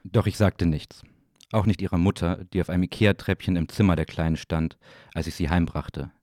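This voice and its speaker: A man reciting a literary audio play monologue in a brooding, deliberate, dramatic way. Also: low-pitched, fairly even intonation, a little mellow, no room sound, studio quality.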